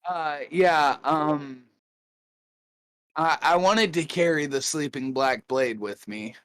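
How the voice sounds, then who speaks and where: A man's voice: on the high side, takes it slowly, a bit bright, no echo. A man playing a tabletop game, talking hesitantly and trailing off with fillers. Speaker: player. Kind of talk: casual tabletop play.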